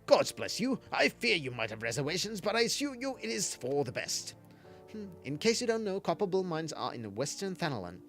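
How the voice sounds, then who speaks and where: A man's voice: a little high, very animated, fairly quick, fairly bright tone, soft background music, pitched above the performer's own voice. A man voicing a formal, courteous official in a game, reading quest dialogue in a polite, old-fashioned way.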